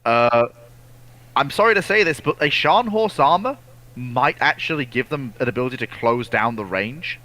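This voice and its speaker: A man's voice: medium pitch, lively intonation, normal speed, sharp tone. A man co-hosting a casual history discussion, reading out and answering viewer questions, often repeating words and restarting phrases.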